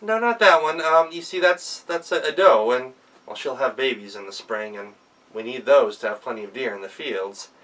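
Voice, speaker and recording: A man's voice: medium pitch, a bit bright, recorded from a distance, close to an everyday voice. A man voicing a foolish, hesitant huntsman in a folktale, stammering and stalling as he speaks. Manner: halting, stammering, full of hesitations.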